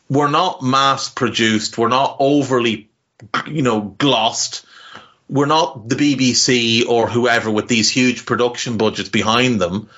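A man's voice: mid-range voice, bright, forceful tone. A man co-hosting a casual podcast chat, talking frankly and earnestly, swearing now and then and restarting his phrases. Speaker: podcast co-host. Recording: dull lo-fi audio.

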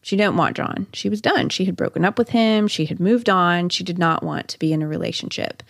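With a lowish, brisk voice and some vocal fry, the female podcast host narrates a true-crime story casually, weaving in chatty side comments. It's a dry, studio-quality recording.

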